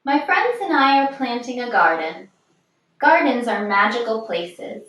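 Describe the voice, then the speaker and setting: A woman reads a children's picture book aloud in a fairly high voice. Her delivery is measured and expressive, with a lively, swinging intonation. She sounds set back from the microphone in a room. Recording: distant, very echoey room.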